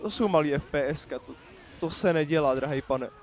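A man casually commenting on his own gameplay, chatty and joking, talking to the enemies on screen. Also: fairly high pitch. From Czechia. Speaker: let's play commentator. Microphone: desk microphone.

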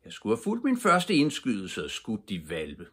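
A pale, dangerous crook speaks with icy calm in this storybook reading, voiced by an older man. His voice is low and husky. He stays level and unbothered. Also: exaggerated voice. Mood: cold, calm. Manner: calm and cold. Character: pale, cold, calm master criminal man.

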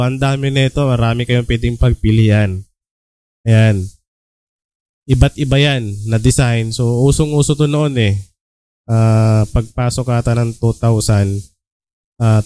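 A man's voice: medium pitch, a little mellow. A young Filipino man hosting a casual design tutorial, talking at ease with many "ah" fillers and "okay?" check-ins. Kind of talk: casual screen-recorded tutorial.

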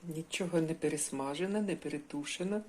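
A woman narrating a casual cooking vlog from her home kitchen, thinking aloud step by step at an unhurried pace. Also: sits low, darkish tone. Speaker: home cook, channel host. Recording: kitchen cooking noise behind voice. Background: sizzling frying pan.

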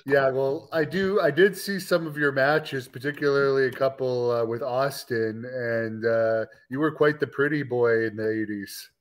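A man's voice: medium pitch, normal speed, hardly any pauses. A man in his thirties hosting a casual interview, chatting with a guest over a video call. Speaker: podcast host.

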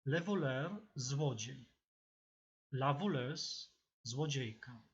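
A man with a husky voice goes through a vocabulary list at a very slow, deliberate pace. He pauses after each word like a patient teacher. The recording is dull and lo-fi. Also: mid-range voice, animated. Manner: slow and deliberate, pausing between words. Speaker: language teacher. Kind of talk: vocabulary lesson.

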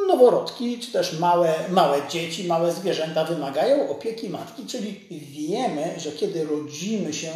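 A man's voice: a little high, darkish tone. Man with a heavy room echo. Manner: chatty, greets viewers by name. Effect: heavy echo of a big empty room. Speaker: live stream host. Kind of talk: casual live stream talk. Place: large empty dental office. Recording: strongly echoey empty room.

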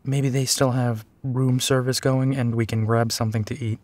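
A man's voice: medium pitch, level tone, normal speed, a little mellow, dry recording, close to an everyday voice. A man playing a tired, teasing werewolf detective in an intimate audio roleplay. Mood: relaxed tired.

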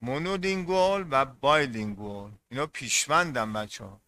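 Bright-voiced male teacher quizzing a class. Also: medium pitch, no echo. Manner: repeats terms and quizzes the class. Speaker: English teacher. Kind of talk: classroom lesson.

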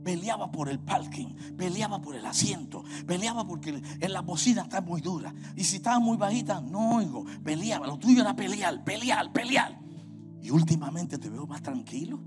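A man with a Puerto Rican accent preaching a sermon, swinging from quiet talk to shouted, sung exhortation over music. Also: sits high, expressive, fairly quick, hardly any pauses. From Puerto Rico. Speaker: pastor.

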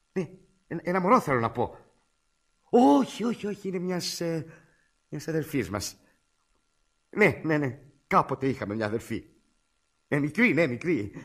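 A man playing a fussy, flustered bachelor brother in a comic radio play, excitable and husky. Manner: excitable, jumps between high and low pitch. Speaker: brother caring for a foundling baby.

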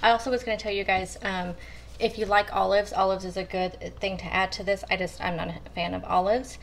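A woman walks her viewers through her weekly meal prep in a relaxed, chatty way, talking straight to them as she works. Her voice sits at a middle pitch. The kitchen recording carries a faint background hiss. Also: a little fast, gravelly, low-quality recording. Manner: chatty, talks to viewers as "you guys". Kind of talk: casual cooking walkthrough. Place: home kitchen counter.

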